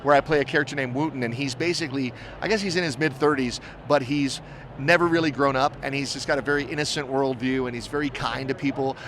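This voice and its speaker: A man's voice: mid-range voice, steady tone, quick pace, a bit bright, slight background noise. A man who is a voice actor, talking about his roles in a friendly, easygoing interview clip.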